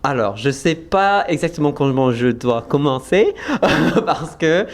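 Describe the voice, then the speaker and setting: Enthusiastic American host with Québécois touches. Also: male voice, a little high, lively intonation, a little slow. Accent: American, with some Québécois French. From United States, Vermont. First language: English. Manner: enthusiastic, hesitant with restarts. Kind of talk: casual interview talk.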